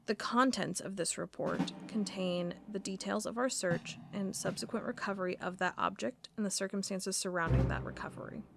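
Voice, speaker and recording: A woman's voice: mid-range voice, gravelly, close to an everyday voice. Woman voicing a female federal agent, intent and formal, radio-drama feel, music bed. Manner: earnest, intent, reads formally. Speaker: investigating agent. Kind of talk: audio drama monologue reading a report.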